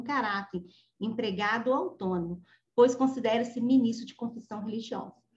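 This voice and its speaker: Speaking at a moderate pace, a woman uses a plain, everyday voice with a fairly high pitch and ordinary pitch variation. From Brazil, Minas Gerais. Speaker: accountant and professor. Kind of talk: webinar lecture. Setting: live stream.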